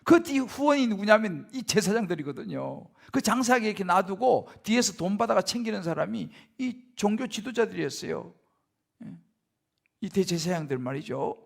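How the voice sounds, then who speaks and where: This senior pastor, a middle-aged man, speaks at normal speed in a high-pitched, gravelly, animated voice. He preaches conversationally in a church sanctuary, often addressing rhetorical questions to the congregation.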